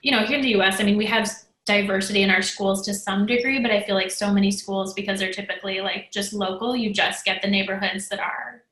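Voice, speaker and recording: A woman's voice: mid-range voice, steady tone, fast talker, few pauses, a bit bright, roomy sound. A woman hosting an interview, upbeat and enthusiastic. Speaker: host. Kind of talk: casual video interview.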